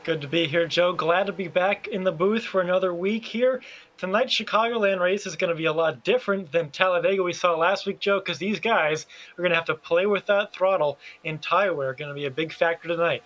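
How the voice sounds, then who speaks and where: A man's voice: high-pitched, a little fast, a bit bright, low-quality recording. A man co-commentating an online stock car race broadcast in a sportscaster's delivery. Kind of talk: sports broadcast commentary, reading a starting lineup.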